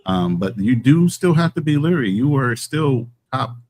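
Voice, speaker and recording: A man's voice: mid-range voice, moderate pace. An American man living abroad, chatting casually and telling stories, sometimes acting out quoted voices. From United States. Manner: relaxed storyteller, acts out quoted voices. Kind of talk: casual video-call chat. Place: abroad in the mountains.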